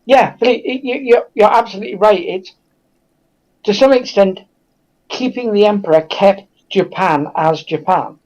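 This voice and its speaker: A man's voice: high voice, moderate pace, darkish tone, low-quality recording. A man speaking as a guest in a casual history discussion, hesitant, polite and self-deprecating. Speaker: invited guest.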